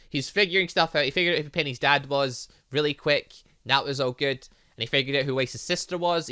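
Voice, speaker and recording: A man giving casual let's play commentary on a visual novel, reading aloud and reacting with exclamations. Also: fairly high pitch. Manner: animated, exclaiming, reacting as he reads. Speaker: gaming channel host.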